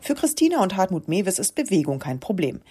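A woman narrating a radio feature report with a lively, storytelling manner and a slightly husky voice. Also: mid-range voice, a little fast.

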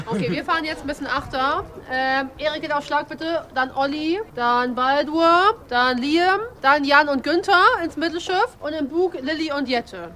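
A woman rowing coach giving brisk instructions to a crew. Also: high-pitched, pushed and bright, slight background noise.

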